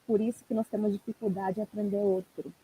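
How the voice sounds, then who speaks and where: Chatty woman, husky. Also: medium pitch, flat delivery, fast, dark tone, no echo, rough recording. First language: Italian. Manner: chatty, laughs often, addresses viewers as "gente". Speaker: guest language teacher. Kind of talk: casual live-stream conversation.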